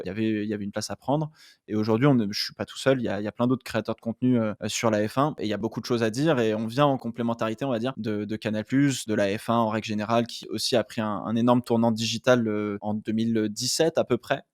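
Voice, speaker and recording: A man's voice: medium pitch, no room sound. Late-20s man, thoughtful guest, casual and hesitant, close dry mic. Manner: thoughtful, many fillers and restarts. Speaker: guest, content creator. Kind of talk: casual interview talk.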